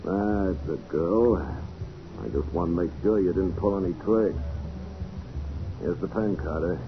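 A man's voice: deep voice, slow pace, background noise. A man acting a cocky, gloating gangster in a 1940s radio drama, talking in sneering tough-guy slang. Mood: wary, bossy. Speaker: actor in a radio crime drama. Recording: muffled old radio recording with music.

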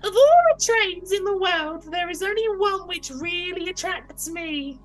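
Very high, cheeky puppet boy. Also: a little slow, faint music behind. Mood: carefree, boastful. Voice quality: high-pitched, childlike put-on voice. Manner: defiant, bossy. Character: naughty, insolent wooden puppet boy, quick to anger.

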